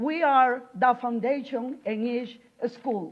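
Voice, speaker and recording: A woman's high-pitched voice with a Spanish accent, at a very slow pace. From Costa Rica. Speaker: school staff member speaking at public comment. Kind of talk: public comment speech. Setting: school board meeting.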